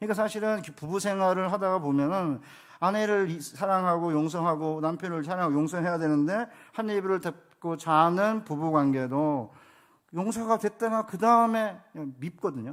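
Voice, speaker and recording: The recording is very clean with a silent background as a man speaks at a high pitch with ordinary pitch variation. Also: moderate pace. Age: 60s. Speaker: professor and guest preacher. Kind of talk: sermon. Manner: conversational, humorous.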